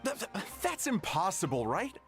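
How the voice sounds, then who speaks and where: A man's voice: high voice, wildly swooping pitch, normal speed, a bit bright, faint music behind, exaggerated voice. A man voicing an earnest, flustered young male character in a video game, stammering and incredulous.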